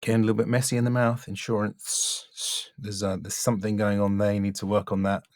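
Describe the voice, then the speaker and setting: A man's voice: lowish voice, level tone, a little fast, darkish tone, dry recording, clean studio sound. A man giving a spoken critique as a voice-over coach, blunt but encouraging, with emphatic delivery. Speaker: voice-over demo coach and reviewer.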